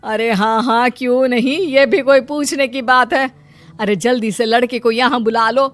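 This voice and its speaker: A woman voicing a scolding, sharp-tongued middle-aged mother in an animated story. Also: on the high side, normal speed, soft background music, close to an everyday voice. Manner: scolding, taunting.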